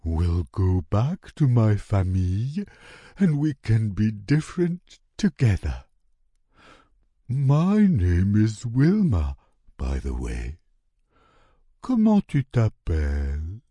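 A lonely young sea-creature girl from a children's storybook, her voice lifted high and drawn out slowly in tearful pleading, as a male reader puts her on. The sound is close and dry, with a softened, airy tone unlike the reader's own. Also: huge pitch swings, slightly rough, no echo, heavily acted. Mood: hopeful. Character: sad young female sea creature with big mouth.

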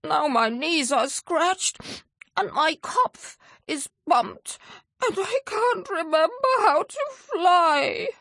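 A woman voicing a clumsy, friendly young dragon who babbles and stammers in a high, tearful voice. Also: animated, takes it slowly, a bit bright, no echo, full character voice.

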